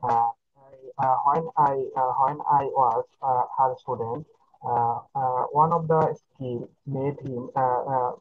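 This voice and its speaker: A man with a Bangladeshi accent giving a halting impromptu speech in English, stopping often on "uh". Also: mid-range voice, steady tone, slight background noise. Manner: hesitant, many "uh" fillers. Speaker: student speaker. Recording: muffled phone-like call audio.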